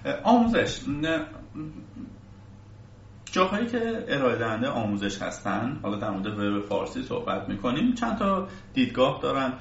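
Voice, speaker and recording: A man's voice: medium pitch, big pitch swings, gravelly. A man interviewing someone in a conversational style. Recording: echoey distant mic, muffled, faint hiss.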